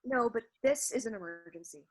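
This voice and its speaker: Lady playing a nervous pleading writer in a comedy skit, kinda high voice, hesitant and dramatic. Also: fairly quick, close to an everyday voice. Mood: anxious. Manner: hesitant, melodramatic. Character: anxious, pleading female playwright desperate to save her script. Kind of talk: comedy sketch staged reading.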